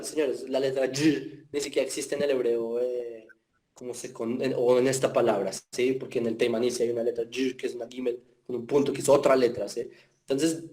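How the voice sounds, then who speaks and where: A man's voice: mid-range voice, dark tone. A man teaching a class over a video call, patiently explaining and often checking in with his listeners. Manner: patient, explanatory, frequent tag questions. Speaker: teacher of Jewish philosophy. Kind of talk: online class answering questions.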